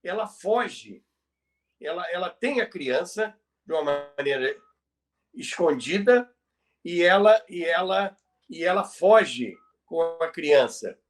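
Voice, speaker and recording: High-pitched, slow-talking older Brazilian man. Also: expressive. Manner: emphatic, repeats phrases, halting delivery. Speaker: podcast host and storyteller. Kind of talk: conversational retelling of radio history.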